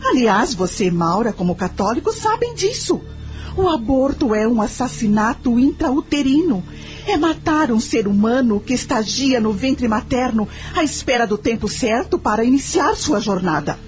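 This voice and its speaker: An actress plays a principled, devout wife in a radio soap. Her voice is a bit high with lively inflection, earnest and instructive. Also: moderate pace, soft background music. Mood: earnest, firm. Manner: earnest, didactic. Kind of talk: radio soap opera acting.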